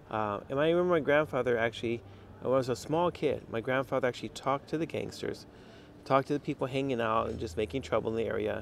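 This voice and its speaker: A man speaking at a fairly quick pace with ordinary pitch variation, dry sound with no echo, and light background noise. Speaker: vlogger. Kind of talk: casual vlog chat. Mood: calm, reflective. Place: street. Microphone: phone near.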